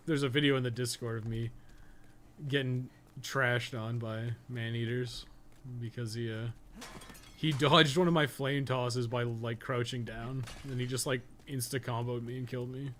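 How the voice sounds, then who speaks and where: A man with a mid-pitched voice chats casually through a live game stream. He rambles in a loose, self-amused way and curses freely. There is some light noise behind his voice. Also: fairly even intonation, normal speed, a bit bright. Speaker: video game streamer and podcast co-host.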